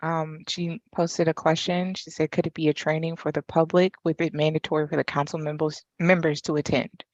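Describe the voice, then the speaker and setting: A woman's voice: deep voice, little pitch movement, brisk, few pauses, no echo, muffled recording. A woman on meeting staff reading chat comments aloud plainly during a council meeting.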